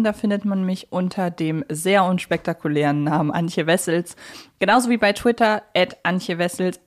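A woman with a mid-range voice hosts a podcast. She talks informally and chattily, as in a relaxed discussion with a co-host. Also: mid-range voice. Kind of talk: casual chat, podcast discussion.

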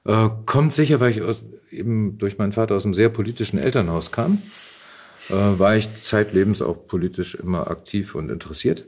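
A middle-aged actor and voice actor, appearing as a podcast guest, casually recounts his experiences in conversation. His voice is lowish, a little mellow and slightly rough, and he talks briskly.

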